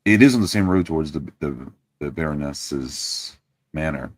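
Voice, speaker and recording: Playing a tabletop roleplaying game, a man with an extremely low voice alternates between formal, courteous in-character lines and first-person narration. His intonation is lively and his pace moderate, and the sound is dry and close with no echo.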